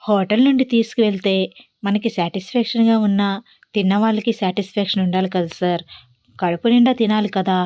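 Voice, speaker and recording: A woman's voice: medium pitch, fairly quick, no room sound, lightly acted. Woman voicing a teasing, caring young woman. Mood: earnest. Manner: gentle, persuasive, playfully teasing. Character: cheerful, caring young woman who teases.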